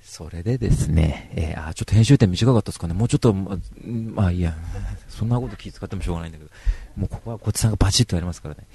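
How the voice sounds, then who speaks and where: A man's voice: low voice, rapid-fire, dark tone, breathy edge. A man giving a casual, rambling book review, wry and self-mocking.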